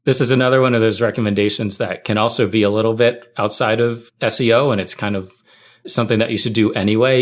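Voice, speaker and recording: A man talking conversationally and anecdotally as a guest in a casual podcast chat. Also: lowish voice. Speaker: tech writer, podcast guest.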